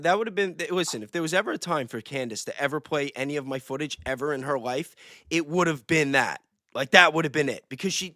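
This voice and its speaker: A man chatting casually on a livestream as a video creator, excitable, blunt and profane, often repeating himself for emphasis. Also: fairly high pitch, no room sound, clean studio sound. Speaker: online video creator on a panel.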